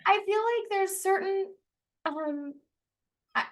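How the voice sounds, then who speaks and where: A woman's voice: very high-pitched, slow pace. A woman hosting a podcast interview in a casual chat, talking her way through questions with many restarts, fillers and laughs. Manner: chatty, searching for words with many restarts and fillers; laughs often while talking. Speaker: podcast host.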